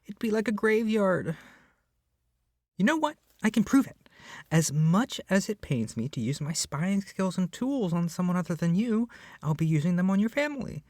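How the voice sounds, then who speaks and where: Man playing a lovesick yandere kidnapper, lively and soft. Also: high-pitched, moderate pace, no echo, clean studio sound. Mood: earnest, reassuring. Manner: soft, hesitant, rambling, often dropping to a whisper. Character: lovesick young male yandere kidnapper, doting, awkward, possessive. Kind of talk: ASMR roleplay addressed to the listener.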